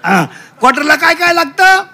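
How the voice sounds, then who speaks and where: A middle-aged man preaching a comic kirtan. He shouts questions to the children and mixes broken English into his lessons. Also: very high-pitched, big pitch swings, a little fast. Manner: shouting call-and-response with children.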